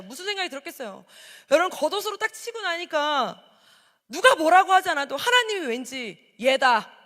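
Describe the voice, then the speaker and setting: A woman evangelist preaching a sermon, acting out quoted voices and swinging from shouting to hushed tones. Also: very high-pitched. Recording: hall with long reverb.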